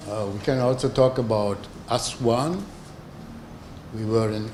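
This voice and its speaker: A man in a German accent at a medium pitch, fairly slow pace and fairly even intonation, with audible room echo and noticeable background noise. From Germany, North Rhine-Westphalia. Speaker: managing director, labor market expert. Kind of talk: lecture. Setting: university seminar.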